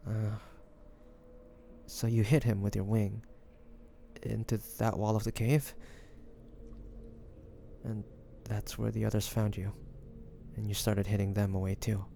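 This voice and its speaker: A man's voice: on the low side, little pitch movement, unhurried, pauses often, warm tone, a little hiss or hum. A man playing a devoted, anxious young man caring for a wounded loved one, tender and hesitant, in a romantic audio roleplay. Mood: apologetic, soothing. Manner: tender, hesitant, breathy sighs, addressing the listener. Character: devoted, anxious young man tending his wounded dragon-shifter beloved.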